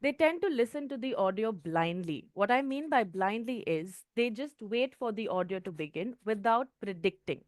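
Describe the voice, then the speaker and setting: A woman's voice: medium pitch, expressive, moderate pace, few pauses, no room sound, clean studio sound. A woman with an Indian English accent giving a test-prep lesson, often checking in with "okay". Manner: clear teaching tone, frequent "okay" checks. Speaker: IELTS trainer.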